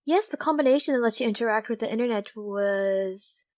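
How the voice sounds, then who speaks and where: A woman as an earnest, higher-voiced young female tinkerer. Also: fairly quick, darkish tone, close to an everyday voice. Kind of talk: amateur audio drama acting.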